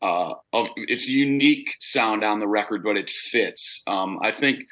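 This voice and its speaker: Casting: male rocker, big forceful lowish voice, easygoing chat with fillers. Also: unhurried. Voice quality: big-sounding voice. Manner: relaxed, rambling with fillers and restarts. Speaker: rock singer interviewed as guest. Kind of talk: casual interview answers.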